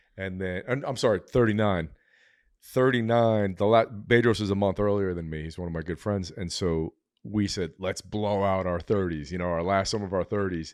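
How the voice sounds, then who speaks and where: A moderate pace in a New York accent. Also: man, fairly low pitch for a man, ordinary pitch variation, quiet background. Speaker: fitness coach and podcast guest. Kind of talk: casual chat.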